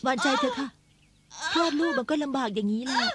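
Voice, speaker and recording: A woman voicing a gentle first wife who soothes and pleads with her husband, in a dubbed period drama. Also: sits high, quick pace, over a noisy crowd, natural voice. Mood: soothing.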